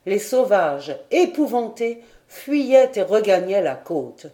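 A woman's voice: medium pitch, sing-song, takes it slowly, warm tone. A woman narrating a classic adventure novel as an audiobook, reading expressively and dramatically. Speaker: audiobook reader.

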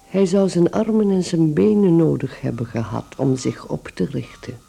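An actor as a sober storyteller, giving measured, deliberate literary narration in a radio play. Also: male voice, fairly high pitch, gravelly, mellow, husky, heavily acted.

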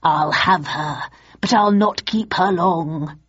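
Brief: creaky clockwork Richard the Third mannequin, a woman putting on its voice, low husky declaiming, dull lo-fi sound. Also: a bit bright, full character voice. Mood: leering, theatrical. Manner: slow, declaiming Shakespeare verse. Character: theatrical male Richard the Third mannequin automaton. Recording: dull lo-fi audio.

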